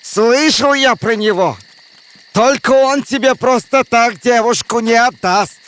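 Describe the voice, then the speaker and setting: An actor voicing a cunning old traveller in a cartoon who feigns kindness, speaking slowly. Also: male voice, very high-pitched, fairly bright tone, smooth. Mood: kindly. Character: cunning old male traveller, secretly villain. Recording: cartoon soundtrack with music behind.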